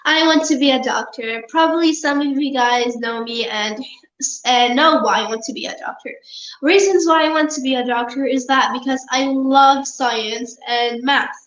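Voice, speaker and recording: A woman's voice: high-pitched, moderate pace, fairly bright tone. A girl from Palestine, answering interview questions earnestly, with many fillers and restarts. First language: Arabic. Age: child. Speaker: guest. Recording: roomy, muffled remote audio.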